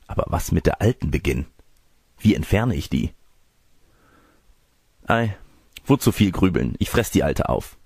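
Ein Mann spricht einen lüsternen, schwülstigen bösen Zauberer in einem Märchen, schmeichelnd und durchtrieben. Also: male voice, low voice, big pitch swings, measured pace, creaky, long pauses, a little mellow, breathy edge, dry recording, studio quality, full character voice. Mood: scheming. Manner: florid, gushing, sly. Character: lecherous, pompous male evil sorcerer seducer.

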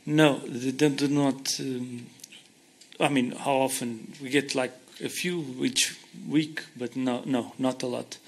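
A man's voice: mid-range voice, steady tone, slow. A man in his thirties from Portugal with a Portuguese accent, answering audience questions at a conference on a handheld mic, earnest and restarting often. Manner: earnest, explains with hand gestures, frequent restarts. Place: conference hall stage, seated in armchair.

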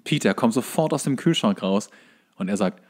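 A man's voice: fairly low pitch, animated, moderate pace. A man talking casually as co-host of a podcast. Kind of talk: casual chat.

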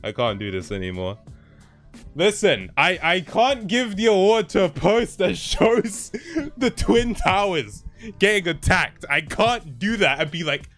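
A man reacting excitedly on a live stream, laughing often and swearing. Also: high voice, unhurried, soft background music.

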